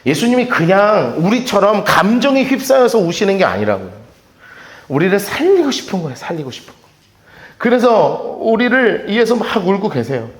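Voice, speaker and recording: A man's voice: sits high, sing-song, normal speed, roomy sound. A male pastor preaching a sermon, emphatic, with rhetorical questions to the congregation. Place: church sanctuary.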